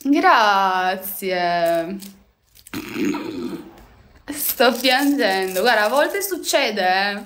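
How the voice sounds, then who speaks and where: A woman's voice: medium pitch, animated, extremely slow, long pauses, fairly bright tone. A young woman, chatting casually with viewers on a phone livestream from home, swearing and laughing often. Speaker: livestream host. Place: at home indoors.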